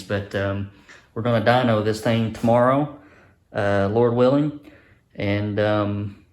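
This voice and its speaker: Low-pitched man. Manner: folksy, plainspoken, modest. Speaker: engine builder presenting a how-to video. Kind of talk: casual hands-on explanation to viewers.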